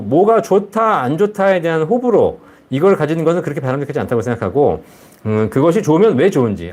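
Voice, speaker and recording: A man's voice: fairly high pitch, darkish tone. A man hosting a live advice stream, explaining things to viewers and often checking in with rhetorical questions. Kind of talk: live call-in style financial advice, answering viewer comments.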